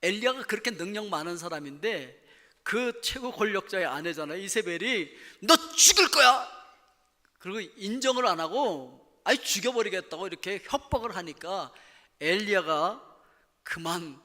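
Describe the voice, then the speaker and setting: High, bright-voiced male pastor in a reverberant hall. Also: moderate pace. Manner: animated, acts out quoted complaints with sudden loud outbursts. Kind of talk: sermon. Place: church sanctuary.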